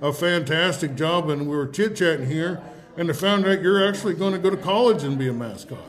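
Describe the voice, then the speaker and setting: A man with an American accent hosting a casual live radio interview, chatty and joking, with halting delivery. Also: a little high. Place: public venue used for a live broadcast.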